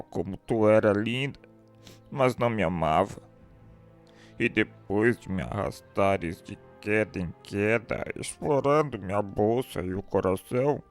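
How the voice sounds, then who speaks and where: A man's voice: sits low, gravelly. An actor playing a tormented, remorseful man confessing to murder and suicide in anguished, declamatory radio drama style. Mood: bitter longing. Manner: anguished, declamatory, drawn-out delivery.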